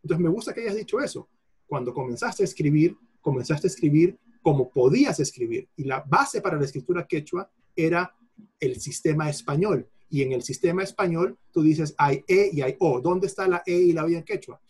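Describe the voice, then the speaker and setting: A man gives an explanatory lecture to an audience, his voice slightly husky and a touch higher than most men's. He works through examples by repeating them and breaks off phrases to restart them, in a patient, teacherly way. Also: animated, brisk, a little mellow. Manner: didactic, repeats examples, self-corrects mid-phrase. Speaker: lecturer on Quechua linguistics. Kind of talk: explanatory lecture answering a participant.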